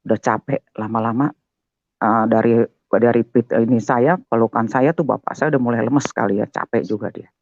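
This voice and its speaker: Older man with a gravelly voice. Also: medium pitch, moderate pace, no room sound. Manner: animated, keeps addressing the listener as "Pak". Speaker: guest sharing a conversion testimony. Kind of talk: conversational storytelling testimony. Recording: dull, muffled, dry sound.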